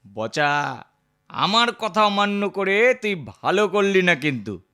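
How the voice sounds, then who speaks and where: A man's voice: sits high, sing-song, slow pace, bright, forceful tone, smooth, exaggerated voice. A man voicing a sly, boastful teenage boy prankster in a cartoon, with a smug, mock-sweet, taunting way of talking. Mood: scolding, menacing. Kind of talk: Bengali cartoon character dialogue.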